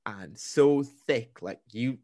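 Fast-talking Trinidadian man telling stories. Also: mid-range voice, expressive, warm tone, no echo, studio quality. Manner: fast, rambling, with many restarts. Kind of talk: casual storytelling chat.

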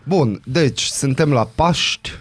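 A man's voice: medium pitch, slightly rough. A man co-hosting a morning radio show, telling an indignant story in casual banter.

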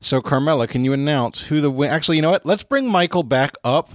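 Lively, teasing man hosting a trivia show. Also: on the high side, quick pace, no room sound, clean studio sound. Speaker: podcast host. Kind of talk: casual banter.

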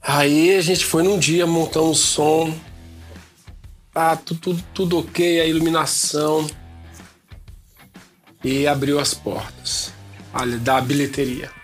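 A man's voice: on the high side, slow, pauses often. Guy rambling through a story, says stuff over and over, faint music under it. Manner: animated, repeats phrases for effect. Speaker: guest sound technician and DJ. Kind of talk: casual storytelling.

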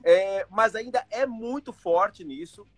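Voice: mid-range voice, slow pace, no echo. A friendly interviewer with a mid-range voice draws out the guest with long, wandering questions. Short, encouraging replies fill the gaps. The recording sounds dry and close, with no room around it. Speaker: interviewer, host. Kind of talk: casual interview.

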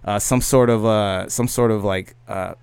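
Loud, emphatic young man talking. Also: on the low side, fairly even intonation, measured pace, vocal fry, clean tone, no room sound. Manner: loud-voiced and emphatic, keeps asking "you know what I mean". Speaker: podcast host. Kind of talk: casual conversation.

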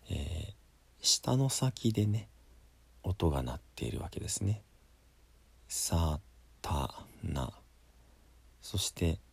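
A Buddhist priest, a man, who chants and then gives a slow, measured spoken lesson with frequent pauses and fillers. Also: deep voice, gravelly, darkish tone, slightly rough. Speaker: Buddhist priest teaching pronunciation.

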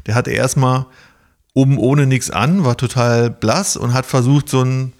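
A podcast co-host casually spins a long, rambling anecdote full of fillers, sometimes imitating other people by raising his voice. His medium-pitched voice is a little mellow and slow, with fairly even intonation.

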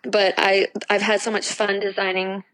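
A woman's voice: medium pitch, level tone, normal speed, fairly bright tone, no room sound, rough recording. A woman musician who grew up in the Dominican Republic, chatting casually as a guest and laughing often. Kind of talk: casual interview chat.

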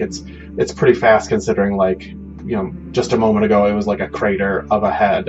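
A man running a tabletop game as game master, improvising narration in halting, repetitive phrases. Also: on the low side, lo-fi sound.

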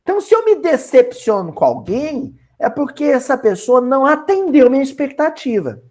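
A lively man leads a Bible study lesson, his pitch swinging widely as he explains. He talks in a relaxed, colloquial way and keeps turning to his listeners with questions. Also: moderate pace. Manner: animated, colloquial, asks the audience questions. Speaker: Spiritist study leader.

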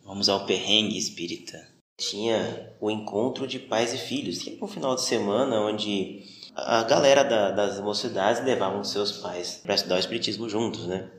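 A man's voice: on the low side, moderate pace, a bit bright. A man from Brazil with an interior São Paulo accent, casually telling a personal story as a listener's voice message. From Ribeirão Preto, Brazil. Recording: roomy, faintly noisy voice message.

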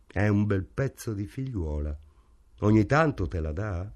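A man reading an audiobook, voicing a crude young crook who talks slowly and sneers threats. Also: lowish voice, animated, darkish tone. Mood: sneering.

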